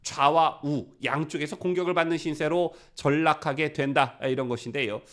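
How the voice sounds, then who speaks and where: A man's voice: a little high, fairly even intonation, moderate pace, fairly bright tone. A man hosting a political news commentary channel, talking to viewers and asking them rhetorical questions.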